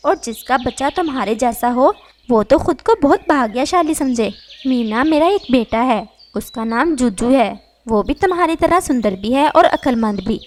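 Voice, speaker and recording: A woman's voice: high-pitched, lively intonation, normal speed, darkish tone, slight background noise. A woman doing a kind, motherly neighbor bird.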